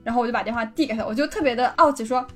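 A young woman podcast host telling a story in a casual chat, animated and laughing often. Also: a little high, racing, soft background music.

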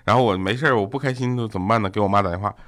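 A man's voice: lowish voice, very fast, a bit bright. Jokey young male radio host. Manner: jokey, laughs often, mimics family in quotes. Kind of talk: comedic storytelling chat.

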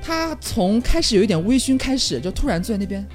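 A woman's voice: a little high, big pitch swings, fast talker, darkish tone, faint music behind. A woman co-hosting a podcast, telling a rambling story full of fillers in a casual chat. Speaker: podcast co-host.

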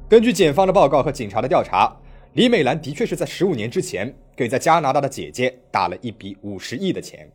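A man tells a true-crime story from a script in a voice of middle pitch. He narrates dramatically, with a lively, swinging delivery that climbs on key moments. Soft music plays faintly behind him. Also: fast talker, husky. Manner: dramatic storytelling with rising emphasis.

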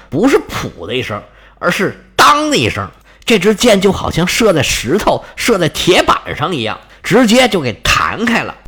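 A man's voice: high voice, a bit bright, slightly rough. A man telling a myth in a chatty, folksy storyteller manner, adding sound effects. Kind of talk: storytelling narration.

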